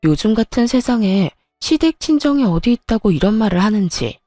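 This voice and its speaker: A woman narrates a first-person story in an even, confiding manner. Her voice is mellow and warm, recorded close and dry. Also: medium pitch, fairly quick, no room sound, soft background music.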